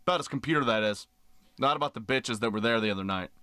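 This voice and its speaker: A man's voice: mid-range voice, quick pace, pushed and bright, clear, resonant tone, dry recording, natural voice. A man voicing a crude, laid-back young bro who talks in slang in a comedy game cartoon. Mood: casual. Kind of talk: animated comedy machinima acting.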